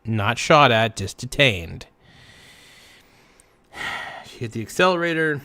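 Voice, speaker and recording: Hoarse man livestream host. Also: mid-range voice, lively intonation, takes it slowly, no room sound. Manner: rambling, thanks donors loudly, chants silly phrases. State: hoarse, voice worn out. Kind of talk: casual livestream reaction.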